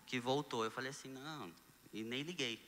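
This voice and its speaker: A young Brazilian man, a guest telling his story in a casual conversation, animated and acting out the dialogue he quotes. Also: mid-range voice, a little fast, big-room sound, slight background noise. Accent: Brazilian Portuguese. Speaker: guest sharing testimony.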